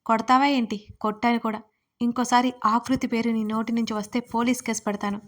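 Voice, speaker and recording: A stern, protective young woman from an audio story, voiced by a woman narrator. She speaks seriously and firmly in a fairly high voice. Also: level tone, fairly quick, close to an everyday voice.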